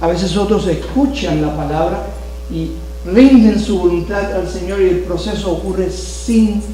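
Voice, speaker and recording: A man's voice: sits high, measured pace, mellow, reverberant, faint music behind, rough recording. A man from Cuba, teaching a Bible study to a congregation, repeating key phrases and asking them questions. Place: church sanctuary.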